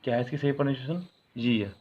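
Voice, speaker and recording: A man's voice: mid-range voice, steady tone, normal speed. A man explaining English grammar in Hindi as a teacher, reading example sentences aloud and asking questions that he then answers himself. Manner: asks the viewer questions and answers them himself. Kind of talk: classroom-style video lesson. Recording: tinny, phone-like sound.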